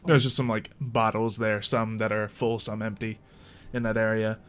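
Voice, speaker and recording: A man running a tabletop roleplay game, improvising scene descriptions in an informal, halting way. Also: on the low side, little pitch movement, fairly bright tone, smooth. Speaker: game master.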